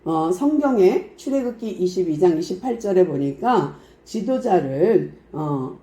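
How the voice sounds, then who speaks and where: Animated woman pastor telling Bible stories. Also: on the low side, unhurried. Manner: animated storytelling, acting out each character's lines. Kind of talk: Bible storytelling sermon. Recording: echoey room.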